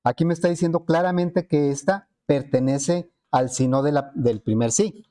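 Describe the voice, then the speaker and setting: A man's voice: on the high side, normal speed, mellow. A man teaching a programming class, explaining step by step and asking the students rhetorical questions. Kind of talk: classroom lecture.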